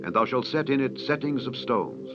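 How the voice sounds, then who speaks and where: A man narrating scripture as an audiobook, in a solemn, measured, formal and declamatory style. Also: medium pitch, lively intonation. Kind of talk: solemn scripted Bible reading. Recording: dull lo-fi audio with music behind. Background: clear background music.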